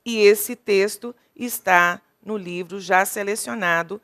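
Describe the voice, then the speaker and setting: A woman's voice: medium pitch, a bit bright. A woman from Brazil teaching an exam-prep literature class, reading a sonnet aloud and counting its syllables for the students. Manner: slow and deliberate, counts syllables aloud, asks the class questions.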